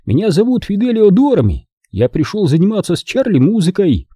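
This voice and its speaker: A man's voice: high-pitched, very animated, a little fast, dark tone, husky, no room sound, studio quality, pitched above the performer's own voice, full character voice. A man voicing a cheerful, brash boy musician who talks in a jaunty, grinning way. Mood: polite.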